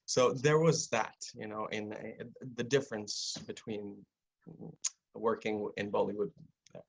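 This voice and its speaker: A young man, an actor, answering interview questions in a relaxed, chatty way with lots of fillers, over a remote call. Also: on the low side, measured pace, gravelly, low-quality recording. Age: young adult. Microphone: remote video call.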